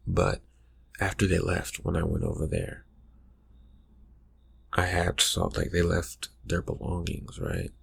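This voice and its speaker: In an ASMR roleplay, a man plays a vampire quietly threatening a friend, his exaggerated voice low, heavily creaky, breathy and husky. He speaks softly, haltingly and insinuatingly, keeping the menace calm and the mood quietly suspicious.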